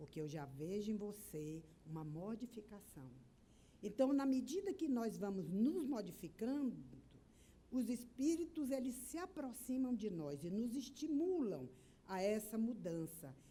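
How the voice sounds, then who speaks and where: A somewhat breathy voice with a dark, mellow tone moves at a fairly slow pace through very wide pitch swings, with audible room echo around it. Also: woman, fairly high pitch for a woman. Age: 60s. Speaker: spiritist speaker and university professor. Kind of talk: lecture.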